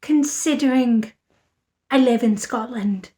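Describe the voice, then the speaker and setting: Slow-talking, tired woman vlogger. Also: fairly high pitch, dark tone. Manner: rambling, thinking aloud with fillers. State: tired after reading all night. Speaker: book vlogger. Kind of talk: casual vlog chat.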